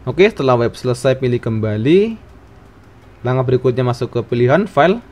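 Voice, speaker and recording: Guy doing a step by step tech tutorial voiceover, mid pitched, instructions phrase by phrase. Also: expressive, fairly quick, darkish tone, faint music behind. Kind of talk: scripted step-by-step tutorial narration.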